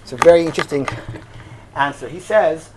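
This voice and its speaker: A man's voice: a little high, a little fast, noisy background. A man from Israel, a Hebrew speaker, giving an informal religious class as a rabbi, in a conversational, questioning way sprinkled with Hebrew and Yiddish terms. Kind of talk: informal religious lecture to a live group.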